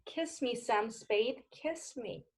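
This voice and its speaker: A woman's voice: a little high, takes it slowly. A woman playing an anxious, seductive, manipulative femme fatale in a 1940s noir radio play, coy and dramatic in her delivery. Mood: weary, seductive. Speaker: voice actor.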